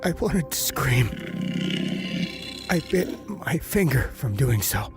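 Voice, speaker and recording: An actor playing a terrified male prisoner in a horror audio drama, brooding and halting as he recounts solitary torment and slips into panic. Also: medium pitch, sing-song. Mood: haunted dread. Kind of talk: first-person horror audio drama narration. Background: music.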